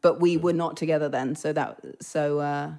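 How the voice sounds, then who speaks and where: A woman's voice: sits low, steady tone, moderate pace, mellow. A British woman chatting as a podcast guest, self-deprecating and full of fillers. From Britain. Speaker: actress guest. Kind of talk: casual podcast chat. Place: remote or studio podcast recording.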